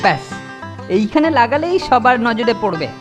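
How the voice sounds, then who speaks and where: A woman's voice: on the high side, big pitch swings, moderate pace. A woman voicing Keltu, a scheming, bossy teenage boy in a cartoon, with music under the dialogue. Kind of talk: Bengali cartoon dubbing.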